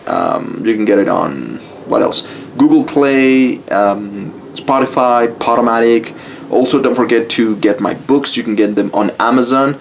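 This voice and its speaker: A man's voice: medium pitch, animated, measured pace, vocal fry, a little hiss or hum. A man from Mexico with a Mexican Spanish accent, speaking English as a second language, giving a blunt, casual motivational talk to camera and swearing freely. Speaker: YouTube style coach.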